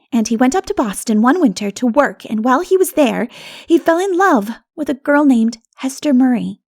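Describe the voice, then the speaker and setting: A woman voicing a lively, gossipy country girl who tells local tales in an audiobook. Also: high-pitched. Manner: animated, gossipy.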